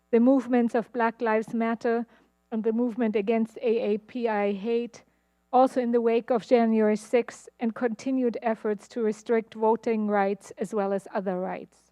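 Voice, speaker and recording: A woman with a German accent speaks at a moderate pace. Her voice is fairly high in pitch, with monotone, flat intonation. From Germany. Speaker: university administrator and historian. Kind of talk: formal welcome remarks. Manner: formal.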